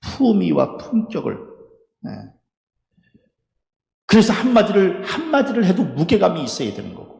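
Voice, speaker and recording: A high-voiced male pastor preaches with a wide, animated pitch that jumps up on his rhetorical questions. He laughs briefly between points. His voice rings through a church sanctuary with a long, echoing reverb. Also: normal speed, gravelly, pauses often. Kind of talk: sermon.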